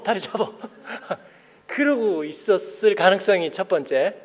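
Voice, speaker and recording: A male pastor giving a conversational sermon, often asking the congregation questions and acting out the people he describes. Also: high voice. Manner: animated, asks the congregation questions; acts out the people he quotes. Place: church sanctuary. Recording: long church hall reverb.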